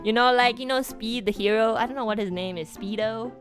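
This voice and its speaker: A young woman streamer telling a story in casual chat, animated and swearing, loudly acting out her past self. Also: fairly high pitch, brisk, faint music behind.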